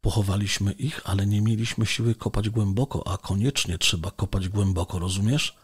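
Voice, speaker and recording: Mężczyzna czytający głosem chorego, upartego przywódcy wyprawy, mówiącego natarczywie i z naciskiem. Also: male voice, lowish voice, fairly even intonation, a little fast, husky. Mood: insistent.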